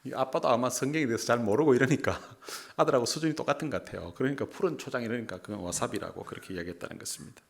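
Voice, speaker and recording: A man's voice: medium pitch, very fast, creaky, few pauses, a little hiss or hum. A male pastor preaching a sermon, telling anecdotes as he goes. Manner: storytelling with anecdotes, lively delivery.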